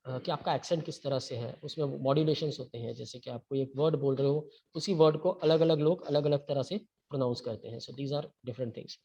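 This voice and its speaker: A man's voice: mid-range voice, a little fast, vocal fry, hardly any pauses, warm tone. A man giving an online training lecture, mixing Hindi and English and often checking in with "okay?". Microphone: webinar computer mic. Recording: dull lo-fi webinar audio.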